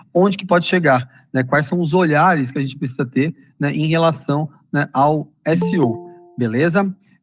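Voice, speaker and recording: Fairly high in pitch, a man speaks with a Florianópolis accent. His voice is somewhat breathy, with ordinary pitch variation. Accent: Florianópolis (manezinho). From Brazil, Florianópolis. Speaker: SEO consultant and marketing professor. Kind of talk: webinar presentation. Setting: online webinar. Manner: casual, many fillers.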